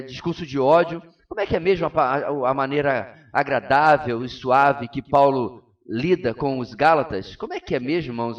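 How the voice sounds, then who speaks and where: A man's voice: on the high side, distant mic, highs cut off. A man with a Brazilian Portuguese accent, a pastor teaching a Sunday school class, preaching emphatically and asking his congregation rhetorical questions.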